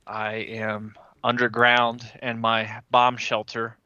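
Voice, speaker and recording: Bright-voiced jokey man, dry sound. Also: mid-range voice, monotone, slow pace, smooth, dry recording, highs cut off. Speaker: podcast player. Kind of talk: casual joking chat.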